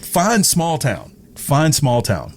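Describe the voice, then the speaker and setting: A man's voice: fairly high pitch, huge pitch swings, slow pace, a little mellow, faint music behind. A middle-aged man from East Texas chatting casually as a guest, telling anecdotes in a good-humoured way. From East Texas, United States. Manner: good-humoured, chuckles through his stories. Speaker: guest, veteran radio personality.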